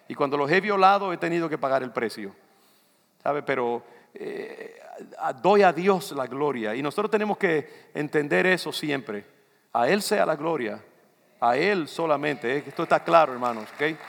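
An older pastor from the Dominican Republic, speaking with a Dominican Spanish accent, gives a casual, conversational sermon in a church sanctuary and keeps speaking to the congregation. His voice is a little high, gravelly and a bit bright, animated at a moderate pace. The long reverb of a church hall fills the recording.

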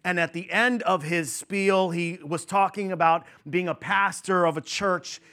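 Speaking in a high-pitched, clean voice with fairly even intonation, this New York pastor in his fifties takes his time. His sermon feels like a conversation, warm and good-humored, sprinkled with asides and frequent fillers.

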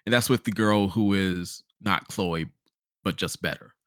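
A man co-hosting a podcast, giving a casual game review in an animated storytelling way, acting out reactions. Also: sits low, a little slow, no room sound, clean studio sound. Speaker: podcast host.

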